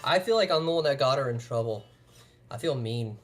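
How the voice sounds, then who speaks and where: A man's voice: mid-range voice, animated, soft background music. A man whose first language is Russian, chatting casually and crudely on a live stream, rambling with lots of swearing. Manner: rambling, halting with fillers.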